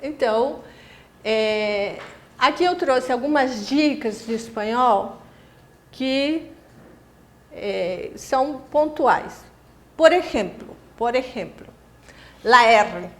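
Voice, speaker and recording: This distance-learning Spanish lesson is recorded by a Brazilian woman, a native Portuguese speaker with a Brazilian Portuguese accent. Speaking slowly in a high voice with lively intonation and frequent pauses, she walks through pronunciation amid many fillers and restarts.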